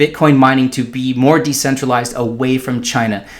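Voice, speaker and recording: Here a man with an American accent talks at a medium pitch. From Southern California, USA. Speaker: crypto YouTuber. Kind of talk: casual commentary video. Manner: hesitant, many fillers.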